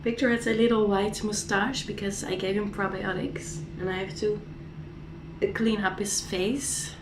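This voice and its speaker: A woman in her thirties with a Dutch accent, a mom chatting casually through a home vlog, her voice raspy from a sore throat and her talk full of fillers and restarts. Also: mid-range voice, little pitch movement, normal speed, roomy sound, background noise. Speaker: vlogger, mom. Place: apartment kitchen.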